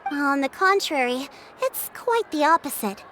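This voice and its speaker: A woman playing a confident, courteous tribal chief in a video game, speaking in a measured, formal storytelling manner. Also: high voice, big pitch swings, sharp tone, a little hiss or hum, heavily acted. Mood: composed, businesslike. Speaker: game character, tribe chief. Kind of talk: scripted video game dialogue.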